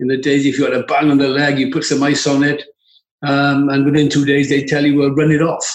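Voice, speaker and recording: A man at a very fast pace with fairly high pitch. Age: 60s. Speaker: former rugby player and business director. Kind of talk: casual interview conversation. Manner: relaxed, chatty, laughs often.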